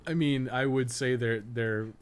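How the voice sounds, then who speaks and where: With a mid-range voice, steady tone and clean sound, this young game streamer and podcast co-host talks unhurriedly. He rambles, swears and laughs easily while casually chatting during a live gaming session.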